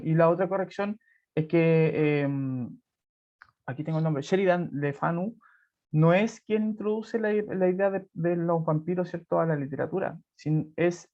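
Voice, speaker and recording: A Chilean man teaching a literature class over a video call, rambling with many fillers and checks for agreement. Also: fairly high pitch. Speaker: high school literature teacher. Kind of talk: online class lecture. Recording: muffled lo-fi video call audio.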